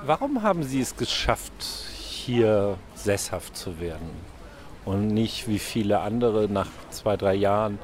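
A man with a fairly low voice puts interview questions. He sounds a little distant, with faint street noise around him. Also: expressive, unhurried, darkish tone.

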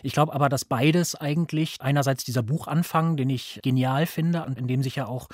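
A man's voice: mid-range voice, fairly even intonation, fairly quick, no room sound, clean studio sound. A middle-aged man talking reflectively and analytically in a radio discussion, with some hesitation. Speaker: studio guest discussing film and television.

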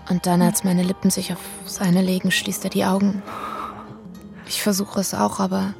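Actress for uneasy, musing female babysitter and narrator, naturalistic radio drama, mid-pitched, music bed. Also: level tone, moderate pace, vocal fry, a little mellow, lightly acted. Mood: intimate, troubled. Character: woman named Alice, pensive, uneasy babysitter and narrator. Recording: music under the voice.

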